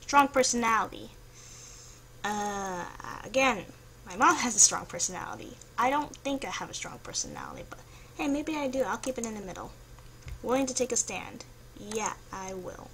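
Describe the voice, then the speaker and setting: A woman's voice: a little high, very animated, moderate pace, fairly bright tone, poor audio. A young woman vlogger chatting casually, thinking aloud in a hesitant, noncommittal way as she works through a quiz. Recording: home recording with faint background noise.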